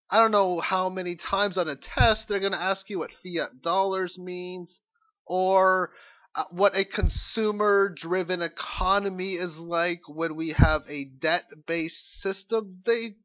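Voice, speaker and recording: A man giving an informal, opinionated monologue as host of an audio log, halting and rambling as he thinks aloud. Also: steady tone. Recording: dull, low-quality lo-fi audio log.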